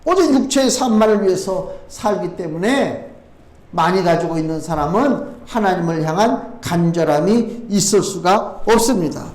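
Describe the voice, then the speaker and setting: Male pastor, high voice, Sunday sermon in a reverberant sanctuary; measured scripture reading, urgent preaching. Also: animated, a little mellow. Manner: reads scripture slower and lower, then preaches with rising urgency. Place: church sanctuary. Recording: echoey church sanctuary.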